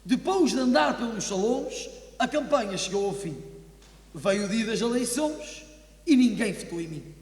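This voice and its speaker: A man's voice: high voice, expressive, moderate pace, darkish tone. A man performs a rhymed comic stage monologue in a theatrical, declamatory way. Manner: theatrical, declamatory verse delivery. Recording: echoey hall with long reverb.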